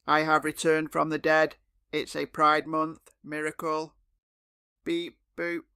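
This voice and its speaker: A robotic text-to-speech voice set up as a male stream robot that reads out chat messages in a flat, monotone delivery. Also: slow pace, clear, resonant tone, no room sound, clean studio sound, heavily acted. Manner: flat monotone reading with no pitch movement.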